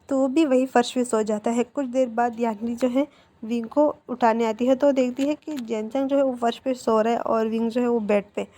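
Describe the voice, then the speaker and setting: A woman's voice: a little high, dark tone. A woman casually retelling a fan-fiction story in a chatty way, with many fillers.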